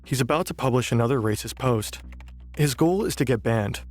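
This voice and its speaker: Guy doing doc narration, calm and measured, normal pitch. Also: soft background music. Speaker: documentary narrator. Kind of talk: scripted narration.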